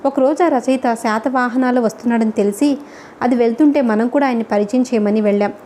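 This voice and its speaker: A woman voicing a thoughtful young woman student who speaks in a steady, reflective way. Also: on the high side, fairly quick, slight background noise, natural voice. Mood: calm, reflective.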